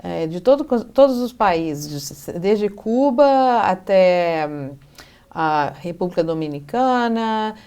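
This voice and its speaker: A middle-aged woman from Brazil, an educational psychologist answering TV interview questions thoughtfully and pausing to find her words. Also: fairly low pitch, expressive, darkish tone, clean tone. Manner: thoughtful, pauses to search for words.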